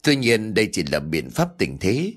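Dramatic low-voiced male storyteller. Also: wildly swooping pitch, normal speed. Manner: dramatic, with sweeping pitch swings. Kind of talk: scripted horror story narration. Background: faint background music.

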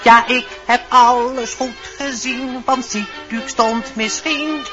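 A performer playing an eager forest animal witness, telling things in measured rhyme in a musical radio play. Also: medium pitch, steady tone, lightly acted. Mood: eager, explaining. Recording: dull radio recording with music.

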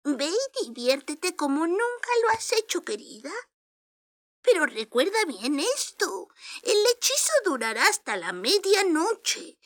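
A woman voicing a sweet old lady, a kindly fairy godmother on a children's storybook record, with a slow, doting singsong manner. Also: high-pitched, very animated, fairly bright tone, voice pushed up, exaggerated voice. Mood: kindly advising.

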